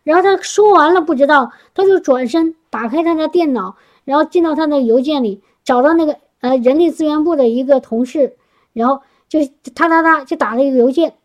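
Woman, high-pitched voice, church testimony, earnest and chatty, stops and restarts sentences. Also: fairly quick. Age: adult working professional. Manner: earnest, chatty, frequent tag particles and restarts. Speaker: church speaker sharing a testimony. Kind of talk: sermon testimony to a congregation.

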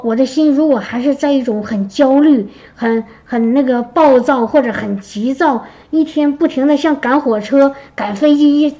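Woman with a high mellow voice telling her church testimony, lively storyteller, kinda muffled lo-fi audio. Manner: lively storytelling, acts out quoted speech. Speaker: church member giving a testimony. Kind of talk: personal testimony to a congregation.

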